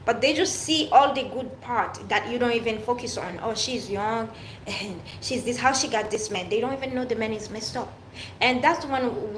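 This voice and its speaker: A fairly high-voiced woman with a Haitian French accent talks straight to camera in a loose, unscripted monologue. She presses her points hard, repeating herself and restarting sentences. The room is echoey, and a faint hum of ambience sits under her voice. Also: a bit bright. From Haiti, raised in France. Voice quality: emphatic, repetitive, with frequent restarts. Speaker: vlogger.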